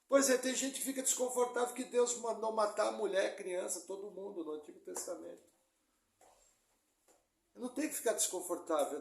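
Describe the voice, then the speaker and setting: A male pastor delivers a lively sermon, slipping into jokes and acted-out quotes from his congregation. His voice sits high for a man. The sound rings around a roomy church hall. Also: gravelly. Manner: lively, joking preaching with mimicked congregation quotes.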